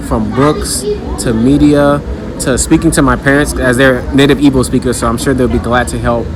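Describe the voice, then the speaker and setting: Talking casually to viewers about picking up languages, this American man in his thirties sounds earnest and motivational, often starting over mid-thought. His mid-range voice comes with background noise, recorded outdoors and then in a restaurant.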